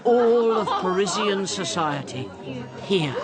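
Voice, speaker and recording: Smug booming baron, loud party crowd and music all around. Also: male voice, lively intonation, slow pace. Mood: boastful. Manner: booming, self-satisfied. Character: boastful, pompous middle-aged baron. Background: loud crowd chatter and music.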